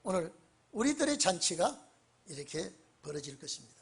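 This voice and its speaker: A male pastor giving an evening church sermon, emphatic and prodding his congregation with repeated questions, swinging between loud bursts and quiet low phrases. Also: sing-song, moderate pace, vocal fry, slightly rough. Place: church sanctuary during an evening service.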